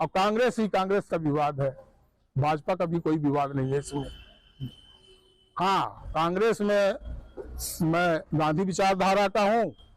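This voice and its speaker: Keeping his loudness very even, a man with a high pitch and ordinary pitch variation speaks with long, frequent pauses. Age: 70s. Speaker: local politician in a land dispute. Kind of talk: news interview.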